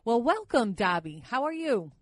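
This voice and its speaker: A woman's voice: a little high, sing-song, normal speed, no room sound, clean studio sound. A woman hosting a talk show, interviewing a guest in a chatty, agreeable way. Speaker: host.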